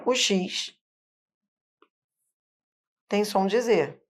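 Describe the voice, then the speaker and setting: A woman's voice: mid-range voice, extremely slow. A woman teacher with a Carioca accent from Rio, patiently explaining a phonetics lesson step by step. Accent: Carioca Brazilian Portuguese. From Rio de Janeiro. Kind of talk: online phonetics lesson at a board.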